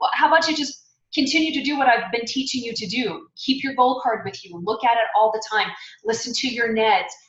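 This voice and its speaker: A woman's high, animated voice at a fairly quick pace, with ordinary pitch variation and audible room echo. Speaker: life coach. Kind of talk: group coaching call. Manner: fast.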